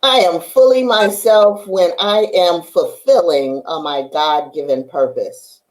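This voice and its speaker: Confident, low-voiced woman business speaker. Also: darkish tone, rough recording. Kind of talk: casual interview.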